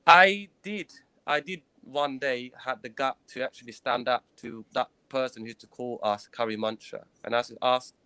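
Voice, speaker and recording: Earnest man in his thirties, interview guest, halting delivery, mid-pitched voice, dry close sound. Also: pushed and bright, clean tone, no echo, low-quality recording. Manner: earnest, hesitant, frequent pauses and restarts. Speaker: guest, former professional cricketer. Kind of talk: recounting personal experiences in an interview.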